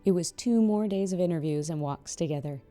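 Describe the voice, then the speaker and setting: A woman narrating a podcast in a calm, measured, scripted way. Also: fairly low pitch, soft background music.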